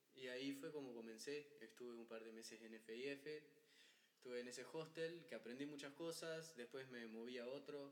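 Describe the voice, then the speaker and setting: Audible room echo surrounds a man who speaks with ordinary pitch variation. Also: medium pitch for a man, moderate pace. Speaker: podcast host. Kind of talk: casual chat. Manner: talkative.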